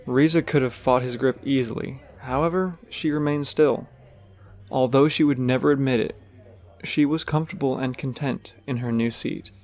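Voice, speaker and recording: A man's voice: medium pitch, steady tone, moderate pace, darkish tone. A man giving scripted third-person narration for an audio drama.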